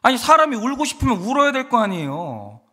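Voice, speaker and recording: Male pastor, 30s, husky and high-pitched, animated sermon with long hall reverb. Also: fast. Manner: animated storytelling with acted quotes. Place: church sanctuary.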